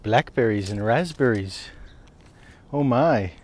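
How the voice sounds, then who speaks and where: A man's voice: medium pitch, lively intonation, slow, a little mellow, slight background noise. A man, chatting casually while walking down a residential street, camera held at arm's length, swearing freely and laughing at himself. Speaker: wellness vlogger. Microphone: handheld camera at arm's length.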